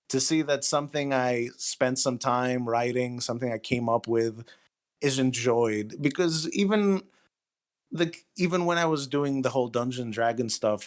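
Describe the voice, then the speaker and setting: A man in his thirties speaking candidly and casually as an interview guest, with a halting, self-effacing manner. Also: medium pitch. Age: 30s.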